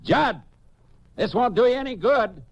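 A man playing a steady, commanding Texas Ranger in a 1950s radio western, giving firm clipped orders, on a dull, crackly recording. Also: very high-pitched, measured pace, vocal fry, husky, heavily acted. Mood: shouting orders.

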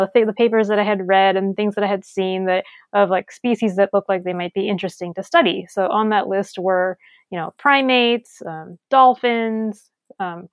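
A woman's voice: mid-range voice, no echo, lo-fi sound. A woman from Sri Lanka, a conservation scientist, speaking as a guest in a casual interview, chatty with many fillers and restarts.

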